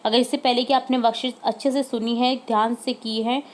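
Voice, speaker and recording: A woman teacher with a fairly high voice walks students through worksheet answers. She talks patiently, repeating each word slowly and dropping in English words here and there. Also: little pitch movement, slight background noise.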